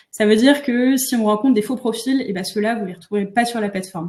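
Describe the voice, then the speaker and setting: Somewhat breathy and fairly high-pitched, a woman speaks in a dark, mellow tone with fairly even intonation. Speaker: head of sales presenting software demo. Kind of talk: webinar product demo. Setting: online live webinar. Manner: fast.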